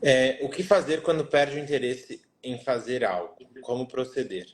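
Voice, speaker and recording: Um homem com sotaque brasileiro responde a uma pergunta como treinador, explicando passo a passo com calma. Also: male voice, mid-range voice. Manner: measured, explains step by step, often adds "né?". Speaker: trainer answering a question. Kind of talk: explanatory coaching talk.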